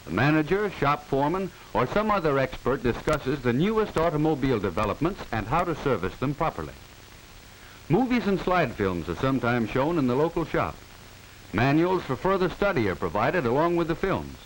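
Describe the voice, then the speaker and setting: A man's voice: fairly high pitch, brisk, poor audio. An American man reading scripted 1940s educational film narration in a formal, instructive manner, on an old film soundtrack. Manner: formal, instructive, clearly enunciated. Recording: hissy 1940 film soundtrack. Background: steady hiss.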